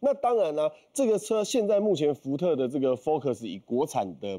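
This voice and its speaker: The voice swings very widely in pitch, with a dark, mellow tone. It moves at a moderate pace over a quiet background. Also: man. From Taiwan. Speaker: car expert presenting a vehicle; presenter. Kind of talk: car review talk show. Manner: many filler sounds and hesitations. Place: studio. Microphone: lapel.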